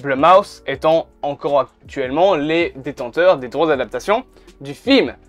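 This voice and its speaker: Expressive and fairly high-pitched, the man keeps a measured pace with no echo around him. He's a YouTuber doing casual commentary to camera, blunt and occasionally profane, recorded on a camera mic over faint music.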